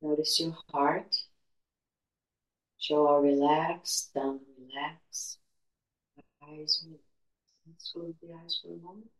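A woman teaching guided meditation and gentle movement in a soothing, unhurried, spiritual healer-like manner. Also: deep voice, steady tone. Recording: echoey room, distant from mic.

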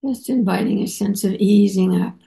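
A woman meditation teacher leading a guided meditation, unhurried and halting, with many soft pauses and fillers. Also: mid-range voice, creaky. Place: meditation center.

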